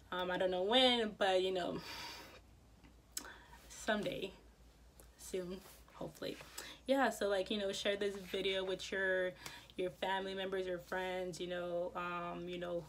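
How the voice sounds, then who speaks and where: A soft-spoken woman vlogger talks casually to the camera, stuttering by repeating sounds and words and using many fillers. Her voice is on the low side, with slight background noise.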